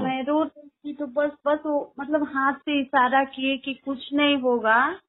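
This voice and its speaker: Speaking fairly slowly, a woman uses a high pitch and monotone, flat intonation. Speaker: bereaved widow. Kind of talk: phone interview answer. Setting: phone line. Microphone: phone line.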